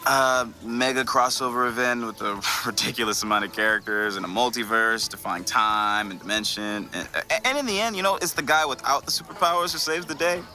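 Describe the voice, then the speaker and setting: A man's voice: mid-range voice, fairly quick, few pauses, bright, forceful tone, faint music behind. Man playing wry, exasperated young husband. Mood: teasing. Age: 20s. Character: Russell, sarcastic comic-book-loving husband in his late twenties. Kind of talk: naturalistic comedic audio drama.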